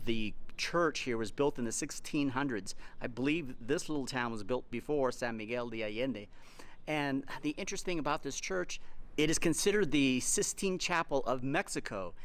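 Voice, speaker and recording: Intonation is lively as a man talks in a fairly high voice. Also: moderate pace. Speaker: travel vlogger. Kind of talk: casual vlog narration. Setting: outdoors on a road.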